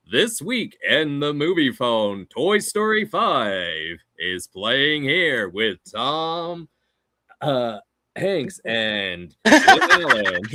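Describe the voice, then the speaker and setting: Putting on a character voice, a man speaks very slowly at a fairly high pitch. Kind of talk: announcer.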